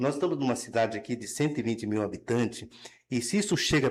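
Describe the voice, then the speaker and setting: On a very clean recording with a silent background, a man uses a normal speaking voice at a moderate pace with lively intonation. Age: 60s. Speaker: podcast host. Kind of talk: casual chat.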